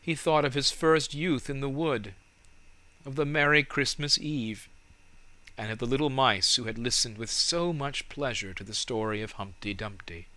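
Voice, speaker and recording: A man narrating a storybook in a measured, dramatic and expressive way. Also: mid-range voice, no room sound. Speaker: audiobook narrator.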